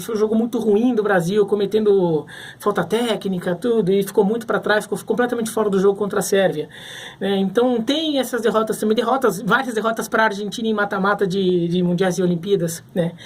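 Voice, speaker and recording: A man from Brazil giving casual sports commentary to camera, thinking aloud with frequent restarts. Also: high-pitched.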